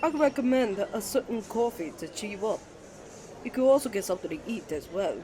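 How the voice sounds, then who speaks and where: Man acting an earnest, high-voiced, flustered young twin. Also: animated, brisk, a little mellow, a little hiss or hum. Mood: tender, reassuring. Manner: nervous, stammering, earnest. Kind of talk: ASMR romantic roleplay acting.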